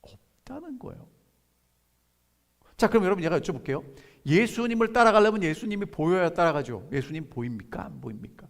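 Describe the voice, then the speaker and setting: A pastor preaching a sermon, who keeps asking the congregation questions and then answers them, and reads scripture slowly and softly. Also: male voice, a little high, animated. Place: church sanctuary. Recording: long church hall reverb.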